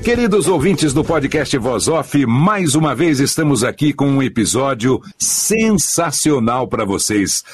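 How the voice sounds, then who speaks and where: A man's voice: medium pitch, animated, a little slow, hardly any pauses, faint music behind. An older man hosting a radio podcast from home, friendly and teasing, with a broadcaster's delivery over a remote link. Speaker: podcast host. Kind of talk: warm interview hosting. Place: home in a small room. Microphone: remote online recording.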